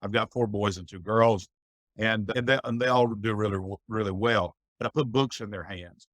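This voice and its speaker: A man's voice: fairly low pitch, normal speed, a bit bright, no room sound. A middle-aged man speaking as a podcast guest, giving earnest, folksy advice in a reflective conversation. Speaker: guest, business owner.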